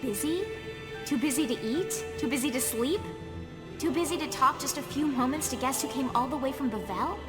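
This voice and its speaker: A woman's voice: high voice, fairly quick, close to an everyday voice. An actress playing a blunt, irked young woman envoy in a radio drama, confrontational and scornful. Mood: indignant. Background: music.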